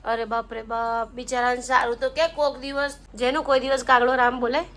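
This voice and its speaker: High bright-voiced teasing mother. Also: little pitch movement, brisk, a little hiss or hum. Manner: teasing, scolding, chatty. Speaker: mother and vlogger. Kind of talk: casual family vlog.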